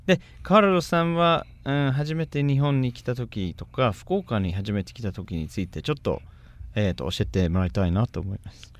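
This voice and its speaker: Male interviewer, casual chat, average pitch, encouraging, frequent short acknowledgments. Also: moderate pace.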